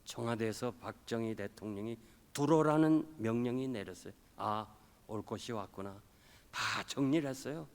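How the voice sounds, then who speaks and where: A male pastor preaching a revival sermon, telling a story and acting out the quoted voices, swinging between loud and soft. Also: medium pitch, moderate pace. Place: church sanctuary. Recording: long hall reverb.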